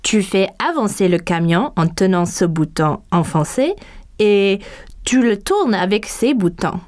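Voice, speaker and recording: A woman's voice: medium pitch, expressive, unhurried, darkish tone, natural voice. A woman voicing a friendly, helpful girl who explains a toy in a children's cartoon.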